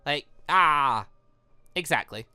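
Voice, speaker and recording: An excitable, rambling gaming host commentating on a visual novel while reading it aloud. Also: medium pitch, takes it slowly, clear, resonant tone, no echo.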